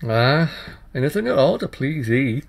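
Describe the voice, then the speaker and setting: Brief: meek, obliging tailor, placating and a little higher, played by a man. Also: big pitch swings, a little slow, vocal fry, exaggerated voice.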